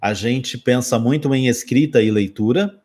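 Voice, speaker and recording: A male English teacher from Brazil with a Brazilian Portuguese accent, chatting through a lesson in a loose, lively way. He keeps a medium pitch, moves fast through quick asides and jokes, and often stops to correct himself mid-sentence. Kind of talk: casual spoken lesson.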